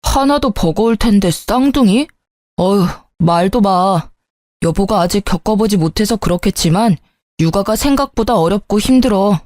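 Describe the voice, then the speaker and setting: A woman's voice: mid-range voice, animated, normal speed, dry recording, clean studio sound, close to an everyday voice. A woman voicing a young husband who is irritable and defensive in a spoken story. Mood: lecturing. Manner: sulky, sharp-tongued, pleading at times. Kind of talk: storytelling with dialogue.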